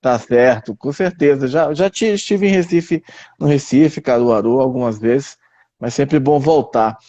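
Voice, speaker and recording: A man's voice: medium pitch, unhurried, dark tone, lo-fi sound. A man hosting a live interview, affable and affirming, with many "né"s. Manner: affable, frequent "uhum" and "né" affirmations. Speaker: host, interviewer.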